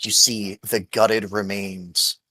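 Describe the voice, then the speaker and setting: Slow-paced male game master. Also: lowish voice, little pitch movement, bright, forceful tone, breathy edge, no echo. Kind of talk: narrating a tabletop role-playing game.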